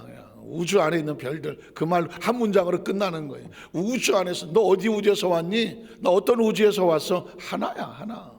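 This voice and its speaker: High, gravelly-voiced man preaching a sermon. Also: in a large hall. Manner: conversational preaching with rhetorical questions and asides; shifts between formal and casual speech levels. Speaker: pastor.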